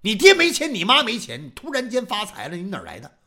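Male storyteller voicing a harsh magistrate in a storytelling set; scornful, barking, bright and lively. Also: high-pitched, fast talker, full character voice. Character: stern bullying male magistrate, middle-aged.

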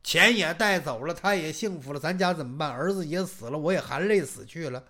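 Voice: mid-range voice, lively intonation, a little fast, bright, forceful tone. A storyteller voicing a greedy, lecherous old father-in-law who bullies and swears. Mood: scheming. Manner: coarse, bullying, swearing.

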